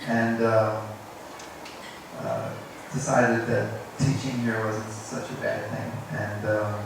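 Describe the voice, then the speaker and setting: A middle-aged man from South Africa speaks slowly and haltingly, telling an informal story about himself. He is self-deprecating and picks his way through each phrase. The recording is very echoey and distant, with clear background noise. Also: lowish voice, level tone. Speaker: English teacher. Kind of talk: informal personal story to a group. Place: indoor room at a teachers' workshop. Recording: echoey room, distant mic, noisy.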